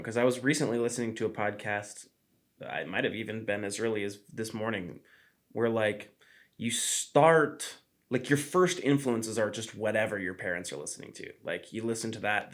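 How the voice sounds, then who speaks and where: A man hosting a podcast in casual chat, rambling with lots of fillers and offhand swearing. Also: lowish voice. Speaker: podcast host.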